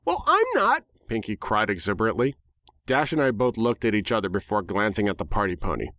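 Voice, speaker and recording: A man narrating a first-person story dramatically, with a wry, sarcastic and animated delivery. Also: lowish voice, fast talker, no room sound.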